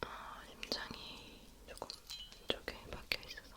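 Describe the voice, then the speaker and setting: Woman, soft whisper, ASMR roleplay, caring robot repair technician, gentle and unhurried, reassuring. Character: caring sci-fi robot repairwoman soothing a patient.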